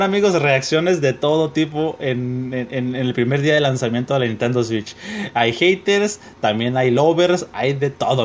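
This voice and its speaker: A man's voice: mid-range voice, a little hiss or hum. A young man with a Mexican accent, casually reading and mocking social media comments aloud, swearing freely and joking. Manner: profane, joking, reads comments aloud with laughs. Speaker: gaming youtuber reading comments.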